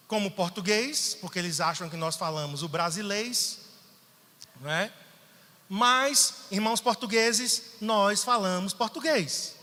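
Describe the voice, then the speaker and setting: A pastor from Brazil preaching a sermon. He is animated, moving from soft, quiet passages to emphatic outbursts, in a church hall. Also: sits high. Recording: long hall reverb.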